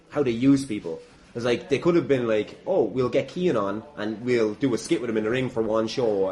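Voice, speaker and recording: A man's voice: medium pitch, darkish tone. An Irish man hosting a casual interview in a joking, sweary, bantering way. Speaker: podcast host. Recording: noisy venue with clatter behind. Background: noise from a wrestling ring.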